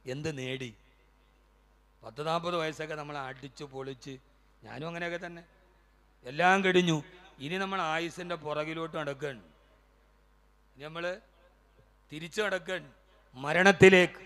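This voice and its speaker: A man's voice: fairly high pitch, fairly bright tone. A man preaching a sermon, moving between melodic chanting and impassioned storytelling. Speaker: Islamic preacher.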